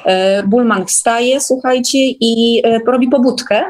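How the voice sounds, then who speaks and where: A woman's voice: fairly high pitch, slow pace, darkish tone. A woman speaking as a guest in a casual online interview, sharing experiences conversationally. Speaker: guest recounting course experiences. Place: online call.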